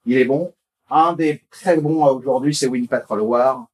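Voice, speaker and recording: This conference speaker, a man with a typical mid-range voice, gives a technical talk in a casual, rambling style. His delivery halts often as he restarts sentences, repeats words and leans on fillers.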